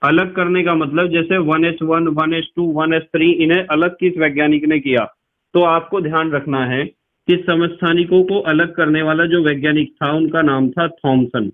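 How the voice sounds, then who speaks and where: A man's voice: fairly high pitch, fairly even intonation, normal speed. A male chemistry teacher giving a patient lecture, repeating key points and quizzing his students. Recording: tinny lo-fi sound.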